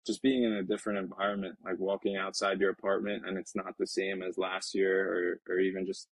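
A man in his twenties, a professional soccer player, talking reflectively in an interview with many halting restarts. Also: low voice, completely flat delivery, breathy edge, no room sound, poor audio. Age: 20s. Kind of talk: casual interview talk. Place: Lisbon.

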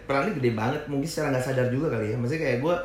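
A man's voice: mid-range voice, racing, reverberant. A man in his thirties telling stories about his restaurant business in a casual, slangy interview, laughing often and dropping English phrases. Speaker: restaurant founder guest.

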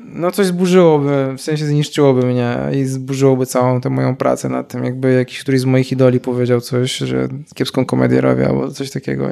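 A stand-up comedian in casual conversation, talking in a reflective, chatty way with many fillers. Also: male voice, fairly high pitch, vocal fry, a little mellow, smooth.

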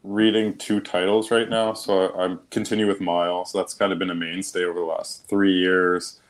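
A man appearing as a guest on a podcast, chatting casually in a relaxed, amused way. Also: sits low, moderate pace. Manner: relaxed, amused, laughs often. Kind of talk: casual chat.

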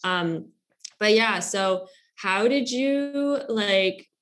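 A woman's voice: mid-range voice, animated, drawn-out words. A young woman hosting a podcast in a casual chat, her sentences full of "like" and fillers. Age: young adult. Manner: filler-heavy, lots of "like". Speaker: podcast host.

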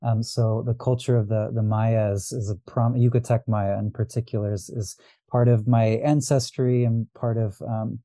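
A man with a deeply mellow, dark voice talks through his memories in a loose, rambling way, circling back with restarts. He sounds like a podcast guest in casual conversation. The recording is dry and close, with no room sound. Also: level tone, normal speed, no room sound. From Los Angeles. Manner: reflective, rambling, frequent restarts and fillers. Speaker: podcast guest, astrologer and diviner.

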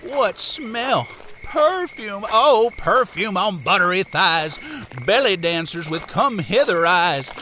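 High, swooping, eccentric peddler. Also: male voice, animated, slow pace, background noise. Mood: lecherous. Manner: rambling, theatrical rhetorical monologue, chuckling to himself. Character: boastful, lecherous, eccentric wandering lightning-rod peddler.

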